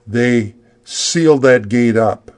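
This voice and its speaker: A man preaching a verse-by-verse sermon to his congregation, reading scripture and stirring up the excitement of the story. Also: mid-range voice, slow, clean tone. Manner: earnest, builds excitement retelling the crowd. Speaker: pastor. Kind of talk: expository sermon.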